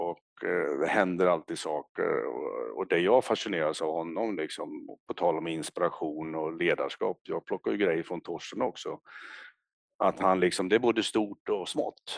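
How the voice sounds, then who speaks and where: A man at a moderate pace, in a dry, close sound with no echo and a quiet background. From Sweden, Västergötland (Kinnekulle). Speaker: company CEO, former badminton champion. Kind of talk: interview. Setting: sofa interview before a live morning audience.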